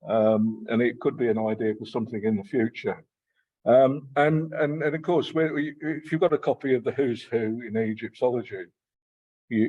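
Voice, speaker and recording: A man with a Black Country accent talks an audience through his lecture, stumbling over fillers and restarting his words. His voice is a bit husky and sits in the middle of the male range. The recording is dull and lo-fi. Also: medium pitch, a little mellow. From Black Country, England. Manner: hesitant, many fillers and repeated words. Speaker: guest lecturer. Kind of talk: informal talk to a local society.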